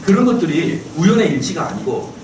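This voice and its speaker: A man's voice: a little high, fairly quick, recorded from a distance. A middle-aged male pastor giving a Bible class lecture, firing rhetorical questions at his listeners and acting out the people he describes. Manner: fires rhetorical questions at the audience; animated, acts out quoted people. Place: church lecture hall. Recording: echoey hall, voice from off-mic, faint hiss.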